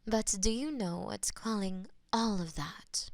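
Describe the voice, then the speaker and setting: A woman voicing a possessive, lovestruck goddess of death in a romantic audio roleplay, murmuring intimately and slipping into breathy whispers. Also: mid-range voice, measured pace, no echo, studio quality, natural voice. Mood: intimate, longing.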